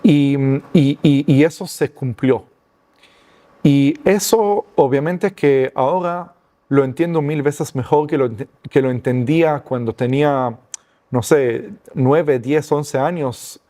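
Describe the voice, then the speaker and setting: Hombre israelí, español titubeante. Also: male voice, on the high side, warm tone. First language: Hebrew. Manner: hesitant, many fillers and restarts, searching for Spanish words. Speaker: guest giving testimony. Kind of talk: personal testimony interview.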